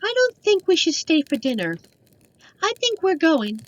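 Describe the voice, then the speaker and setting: A woman's voice: very high-pitched, sing-song, moderate pace. A woman playing a young, stubborn princess in a fantasy audio drama, speaking insistently and emotionally. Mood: defiant. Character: young princess, stubborn, determined to leave home.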